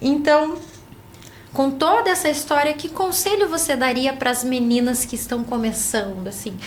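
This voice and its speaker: Noticeable background noise and audible room echo surround a woman speaking at a moderate pace with a high pitch. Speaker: podcast host. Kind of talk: interview.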